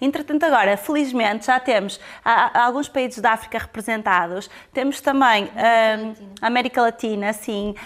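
Speaking at a moderate pace, a woman with a fairly high pitch uses ordinary pitch variation and big swings in loudness, in a very clean recording with a silent background. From Portugal. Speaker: website co-founder. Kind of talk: interview. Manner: halting.

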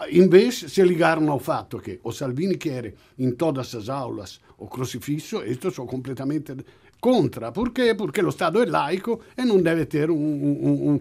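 In an Italian accent, a man with a fairly high pitch talks at a moderate pace, his pitch swinging very widely and his loudness in big swings, on a very clean recording with a silent background. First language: Italian (speaking Portuguese). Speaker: radio panelist. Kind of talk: radio panel discussion. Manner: halting.

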